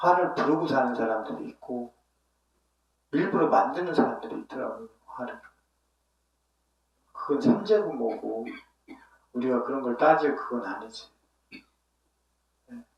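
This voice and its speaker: A man with a slight Chungcheong accent speaks at a fairly slow pace and a fairly high pitch, with very wide pitch swings, big swings in loudness and long, frequent pauses. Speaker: Buddhist monk. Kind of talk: dharma talk. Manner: casual, conversational.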